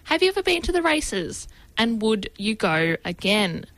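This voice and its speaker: A woman's voice: a little high, very animated, normal speed, a bit bright, no echo, poor audio. An Australian woman co-hosting a radio show, talking casually with many hesitant fillers. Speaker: radio co-host.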